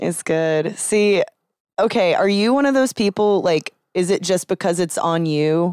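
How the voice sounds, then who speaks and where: Texan-accented speech from a woman at medium pitch, with ordinary pitch variation, very even loudness and a fairly slow pace. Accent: Texan American English. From Texas. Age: 20s. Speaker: podcast host. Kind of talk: casual chat. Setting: studio.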